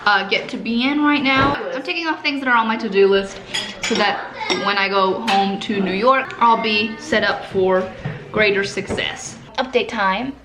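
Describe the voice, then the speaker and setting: A woman's voice: mid-range voice, moderate pace. A young woman hosting a casual home vlog, chatty and self-deprecating with a dry, sarcastic streak. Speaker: vlogger host. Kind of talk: casual vlog chat to camera. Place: family home indoors. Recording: noticeable background noise.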